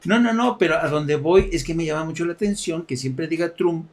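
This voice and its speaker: Man, political pundit, a bit high-pitched, playful sarcasm, quick to laugh. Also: a little hiss or hum. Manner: mocking, animated, laughs often. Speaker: political commentator.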